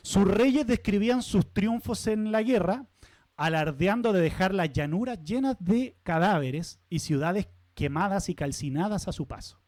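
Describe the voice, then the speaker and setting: A man preaching from the pulpit in a high-pitched voice. He keeps it conversational, stopping to ask the congregation questions and tossing in light asides. The sound is dry and close, with almost no room echo. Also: normal speed, darkish tone. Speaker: pastor. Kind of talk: sermon. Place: church sanctuary.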